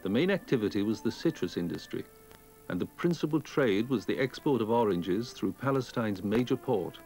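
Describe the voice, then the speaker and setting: A man's voice: on the low side, expressive, a little mellow. Man narrating a documentary over music. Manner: measured, formal delivery. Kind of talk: scripted narration.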